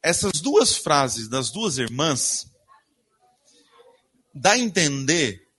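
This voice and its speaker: A man's voice: fairly high pitch, very animated, very slow, fairly bright tone, husky. A man preaching a sermon, reading Bible verses aloud and questioning his congregation in a church. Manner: asks the congregation questions and answers them himself.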